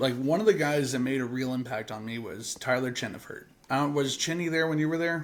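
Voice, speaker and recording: A plain, everyday voice: a man at medium pitch with an American accent, fairly quick, hardly any pauses and ordinary pitch variation. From Texas, Dallas. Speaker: podcast host and hockey announcer. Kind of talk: casual chat.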